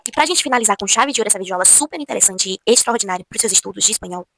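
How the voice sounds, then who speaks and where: A Brazilian woman teaching Spanish pronunciation in a casual video lesson, often repeating words slowly to show each sound. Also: mid-range voice, lively intonation, a bit bright, no echo. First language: Portuguese.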